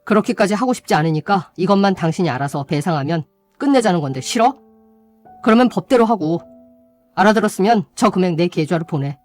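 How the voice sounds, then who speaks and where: A woman's voice: fairly low pitch, expressive, a little fast, darkish tone, soft background music, lightly acted. A woman voicing a betrayed young man who speaks sternly and bluntly, in radio drama style. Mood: cold.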